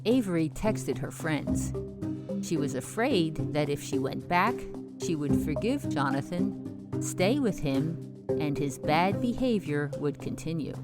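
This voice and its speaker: A woman host giving scripted narration of a true story in a measured storytelling delivery. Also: deep voice, expressive, loud music behind the voice.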